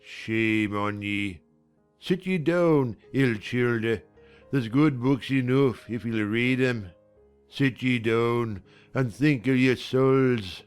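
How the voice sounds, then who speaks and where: A man's voice: medium pitch, clean tone, faint music behind, close to an everyday voice. A man doing a grumbling old Yorkshire servant. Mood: scolding. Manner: slow, scolding, preachy. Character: sour old male Yorkshire servant, pious scold. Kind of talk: dramatized audiobook reading.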